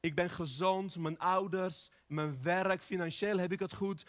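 Guy preaching in church, fairly high voice, earnest and personal, slows right down for the prayers. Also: steady tone. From Armenia. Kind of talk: sermon.

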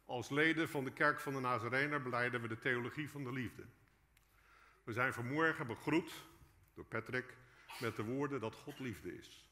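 A man delivers a sermon from a prepared text in a church, speaking in an earnest, measured way with rhetorical questions. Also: mid-range voice, sharp tone. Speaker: preacher, guest speaker in a church. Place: large church hall, indoors. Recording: echoey church hall with long reverb.

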